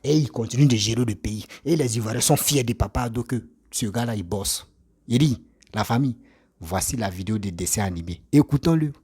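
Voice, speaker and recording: A man speaks with a lilt, his voice rough and husky at the edges, sitting at a middle pitch. He talks like a commentator addressing his followers, emphatic and urging, hammering the same point again and again. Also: a little fast, darkish tone. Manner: emphatic, urging, repeats himself. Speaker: political commentator. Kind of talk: exhorting introduction.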